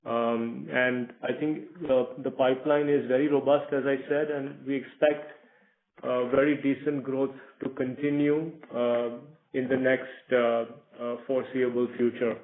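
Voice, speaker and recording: A man's voice: medium pitch, little pitch movement, measured pace. Hesitant man on an echoey phone line. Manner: hesitant, many fillers. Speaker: company executive. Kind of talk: answering analyst questions.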